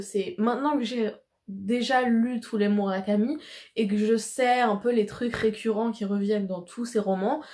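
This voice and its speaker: A woman's voice: medium pitch, darkish tone. Woman book vlogger, casual talk to camera, slangy and rambling. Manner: chatty, full of fillers and slang, laughs often.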